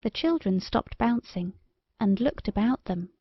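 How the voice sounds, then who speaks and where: A woman's voice: medium pitch, expressive, a little slow, breathy edge, no echo, dull audio. A woman reading a children's story aloud as scripted audiobook narration.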